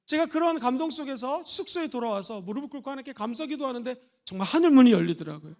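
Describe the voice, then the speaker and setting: A middle-aged man from Seoul preaching a church sermon as pastor, moving between loud exhortation and soft, intimate asides. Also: very high voice, lively intonation, fast talker. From Seoul, South Korea. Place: church sanctuary.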